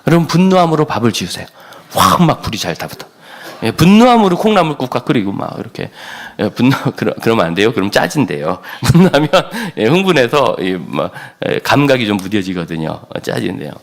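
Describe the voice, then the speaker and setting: A middle-aged male pastor preaching a sermon in a church, animated and humorous, often jumping up to high exclamations. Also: fast, creaky, hardly any pauses. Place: church sanctuary.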